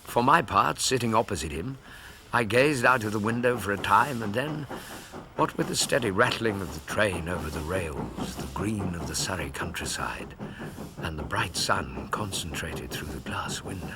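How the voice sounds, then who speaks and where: An actor playing Dr Watson, a Victorian doctor, narrating the story in a measured way. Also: male voice, low voice, expressive, background noise. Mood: calm. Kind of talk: audio drama narration.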